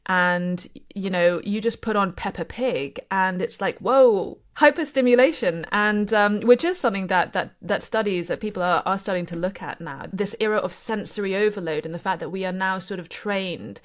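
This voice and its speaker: A woman's voice: medium pitch, normal speed, few pauses. A woman from Indonesia and Singapore, a panelist on a news podcast, talking in a thoughtful, hesitant way with many restarts. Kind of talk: casual chat.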